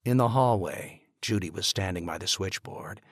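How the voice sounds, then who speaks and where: A man narrating an audiobook in slow, steady storytelling. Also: deep voice, no room sound, clean studio sound.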